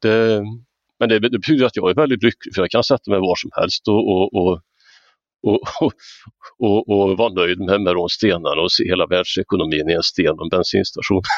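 A man speaks with a plain, everyday voice and ordinary pitch variation. His pace is moderate. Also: fairly low pitch for a man. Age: 60s. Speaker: economic historian and author. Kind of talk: panel discussion.

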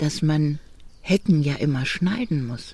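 Her pace is very slow, and her very deep, low pitch carries a dark, mellow tone. The woman sounds somewhat breathy, with lively intonation. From northern Germany, Hamburg. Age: 70s. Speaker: garden owner, former journalist. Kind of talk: interview. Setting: outdoors on a garden terrace.

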